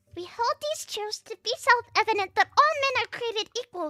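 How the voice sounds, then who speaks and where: Using a playful put-on character voice, a woman speaks at an extremely high pitch with lively intonation and a moderate pace, the sound dry and close with no echo. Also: big swings in loudness. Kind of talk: formal text read in a cute voice. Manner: cutesy, playful.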